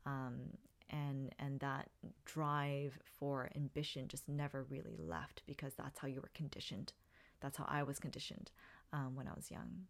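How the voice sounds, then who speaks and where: A woman's voice: rumbling low, fairly even intonation, moderate pace. A woman in her thirties hosting a solo podcast, telling her own story in a reflective way, with many ums and restarts. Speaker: podcast host.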